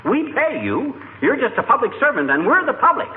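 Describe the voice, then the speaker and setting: An actor playing a blustering, boastful middle-aged husband who talks in ungrammatical bluster, in 1940s radio comedy style. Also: male voice, extremely high pitch, wildly swooping pitch, a little fast, exaggerated voice. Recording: tinny old radio with clear hiss.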